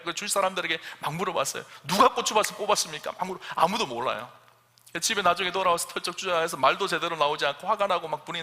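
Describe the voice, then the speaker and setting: A man's voice: on the high side, bright, forceful tone. A middle-aged male senior pastor telling a story in a sermon, acting out the dialogue and rising to emphatic questions. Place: church sanctuary. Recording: long church hall reverb.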